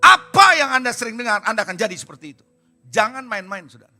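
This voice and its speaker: A man preaching a sermon in a high, very bright and piercing voice. He presses his points hard and keeps firing rhetorical questions at the congregation. Soft music plays faintly behind him. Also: big pitch swings, quick pace. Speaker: pastor. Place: church service.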